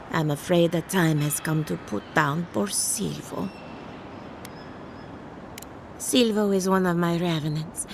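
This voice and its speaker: An actress playing a chatty, morbidly cheerful necromancer farmer in a fantasy game, wry and theatrical. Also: female voice, fairly low pitch, creaky, a bit bright, a little hiss or hum, heavily acted. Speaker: game character. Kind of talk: scripted video game dialogue.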